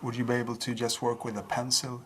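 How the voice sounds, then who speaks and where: Male interviewer, mid pitch, brief prompts and quick questions. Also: monotone, a little hiss or hum.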